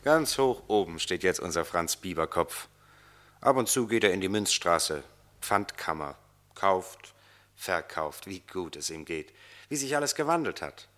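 Wry storyteller, very low male voice, bright edge, dramatic radio-play narration. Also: lively intonation, unhurried.

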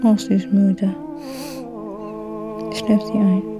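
A woman retelling a story step by step in an improvised, halting way. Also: medium pitch, little pitch movement. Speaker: participant retelling a film story. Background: music.

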